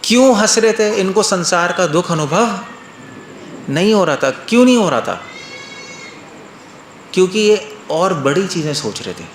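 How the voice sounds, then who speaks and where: A male monk tells a story in a loose, chatty sermon, often checking that his listeners follow him. His voice sits a bit higher than most men's. The room gives it a noticeable echo, with a faint hiss behind. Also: sing-song, a little slow, long pauses. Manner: conversational, checks listeners follow, repeats phrases. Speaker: monk and spiritual teacher. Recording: roomy echo, faint noise.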